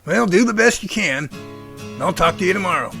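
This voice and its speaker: A man playing a high, creaky fatherly professor. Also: animated, fairly quick, over music. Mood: fatherly, encouraging. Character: fatherly professor and research boss, older man, encouraging. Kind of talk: amateur radio drama dialogue.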